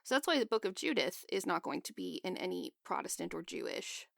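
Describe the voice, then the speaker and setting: A woman's voice: lowish voice, sing-song, fairly quick, vocal fry, fairly bright tone, no room sound, studio quality. A woman co-hosting a podcast, explaining a topic in a chatty, casual way. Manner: explanatory, chatty, laughs often. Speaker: podcast co-host. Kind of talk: casual chat.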